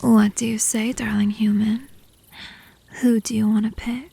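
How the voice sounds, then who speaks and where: Woman as an indignant, slow-talking vampire girl. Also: fairly high pitch, flat delivery, gravelly, mellow, slightly rough, no room sound, heavily acted. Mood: haughty, sheepish. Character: indignant, lovesick young female vampire with a gun. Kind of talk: comedic roleplay ASMR audio drama.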